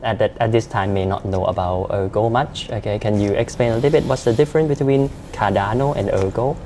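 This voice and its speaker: A man's voice: lowish voice, a little fast, noisy background. A man hosting an interview in English, asking short questions and making brief backchannel sounds. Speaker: interviewer, channel host.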